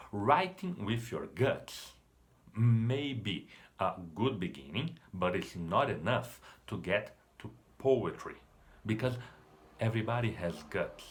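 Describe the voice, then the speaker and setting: Unhurried Brazilian man teaching literature. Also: fairly low pitch. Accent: Brazilian Portuguese. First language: Portuguese. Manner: unhurried, measured, explanatory. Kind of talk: literature lesson to camera.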